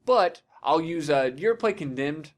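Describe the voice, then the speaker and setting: A man's voice: on the high side, expressive, moderate pace. A man hosting a casual video game podcast, chatting in an opinionated way and swearing freely. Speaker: podcast host.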